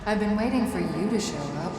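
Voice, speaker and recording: A woman plays a defiant AI in a video game. Her mid-pitched voice rings with very strong echo in a large hall, sardonic and challenging. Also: fairly quick, music in the background, natural voice. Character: defiant, sardonic female artificial intelligence. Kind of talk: video game cutscene acting.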